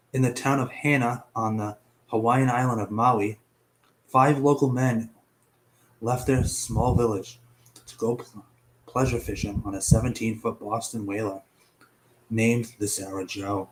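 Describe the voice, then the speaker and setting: In a low-quality recording with slight background noise, a young man with a medium-pitched voice narrates his casual web mystery show. He's chatty, a touch profane, and stumbles over names, while a cough and a partly lost voice come through.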